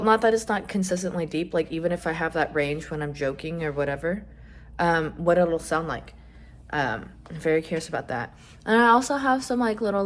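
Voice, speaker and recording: A young trans man chatting casually in a vlog, rambling with lots of fillers and some swearing, his voice rising when he gets excited. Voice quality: voice still fairly high, rising when excited. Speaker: vlogger.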